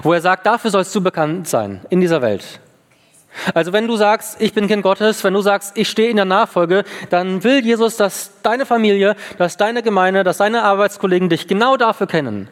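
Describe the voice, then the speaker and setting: A man preaches with a high-pitched voice, earnest and insistent, often circling back over the same words. His voice carries a long reverb from a large hall. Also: moderate pace. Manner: earnest, repeats phrases for emphasis. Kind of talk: sermon.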